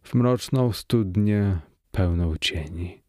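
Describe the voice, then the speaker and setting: A man narrating an adventure audiobook in a measured, steady manner. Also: sits low, no echo, clean studio sound. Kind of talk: scripted narration.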